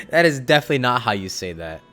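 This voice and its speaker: Animated young male game streamer. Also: medium pitch. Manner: slangy, halting, reacting aloud. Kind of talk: casual live gameplay commentary.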